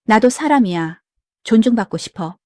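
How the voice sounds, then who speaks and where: A woman's voice: on the high side, lively intonation, moderate pace, darkish tone, no echo, clean studio sound, lightly acted. A woman voicing an exhausted young wife who pleads and complains about her caregiving load, in a story read aloud. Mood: upset.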